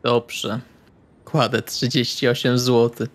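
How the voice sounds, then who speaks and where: A man's voice: mid-range voice, flat delivery, slow. A man playing in a tabletop role-playing game, in casual in-character banter.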